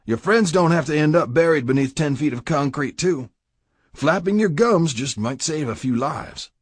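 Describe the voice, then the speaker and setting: A man voicing an older male biker club president who threatens and commands, husky and menacing. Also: on the high side, animated, normal speed, dry recording, voice pushed up. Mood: cold pressuring.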